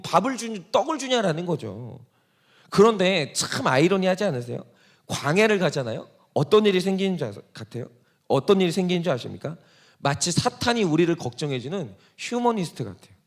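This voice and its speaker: A male pastor preaching a sermon, asking the congregation rhetorical questions and acting out quoted voices. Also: high-pitched. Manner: acts out Satan's taunting voice in quotes.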